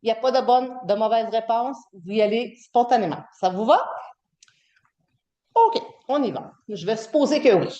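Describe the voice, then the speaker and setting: A woman's voice: on the high side, expressive, moderate pace, dark tone, highs cut off. Québécois woman lecturing in an echoey room. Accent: Québécois French. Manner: chatty, hesitant with many fillers and restarts. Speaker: guest lecturer. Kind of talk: classroom lecture. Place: university classroom.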